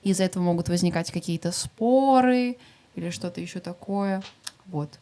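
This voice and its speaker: Young woman guest, slightly low voice, hesitant and filler-heavy. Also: normal speed, dark tone. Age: young adult. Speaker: podcast guest. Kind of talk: casual group podcast chat.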